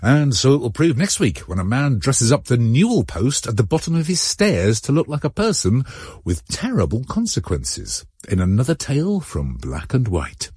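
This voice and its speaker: A man's voice: medium pitch, huge pitch swings, moderate pace, darkish tone, breathy edge, no room sound, clean studio sound. A man announcing next week's episode in a dramatic, ominous tone. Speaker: programme announcer. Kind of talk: scripted trailer announcement.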